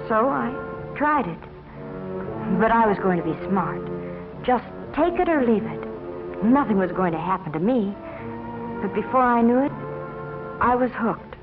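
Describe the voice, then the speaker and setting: A woman's voice: fairly high pitch, lightly acted. Muffled 1950s film actress as troubled young woman confessing. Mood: weary, bitter. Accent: American. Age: young adult. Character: troubled young former heroin addict confessing wearily. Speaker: narrator of a confessional story. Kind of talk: 1950s educational film narration in first person. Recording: muffled 1950s film soundtrack, music behind.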